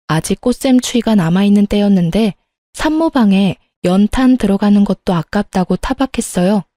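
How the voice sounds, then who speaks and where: Warm-voiced woman narrating a true story. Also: medium pitch, dry recording, clean studio sound.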